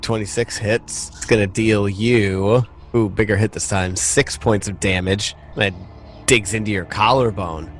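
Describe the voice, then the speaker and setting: A man's voice: on the low side, steady tone, measured pace, soft background music. A man acting as game master, narrating a tabletop roleplaying game in a conversational, descriptive way.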